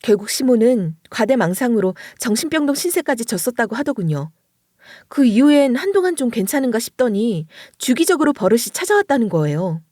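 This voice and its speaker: Woman narrating a dramatic story, very expressive. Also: fairly high pitch, fairly quick, no echo, studio quality. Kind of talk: dramatized first-person story reading.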